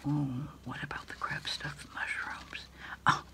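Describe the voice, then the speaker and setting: Slow whispering American woman. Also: sits low, flat delivery, vocal fry. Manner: unhurried, hesitant, pausing as if listening to a caller. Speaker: ASMR creator role-playing a food delivery order taker. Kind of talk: whispered ASMR phone order role-play.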